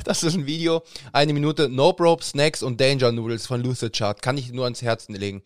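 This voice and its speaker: A man's voice: mid-range voice, steady tone, moderate pace, no room sound, studio quality. A young man, a student facing exams, co-hosting a casual podcast and often laughing through his words. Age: young adult. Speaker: podcast co-host. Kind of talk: casual chat.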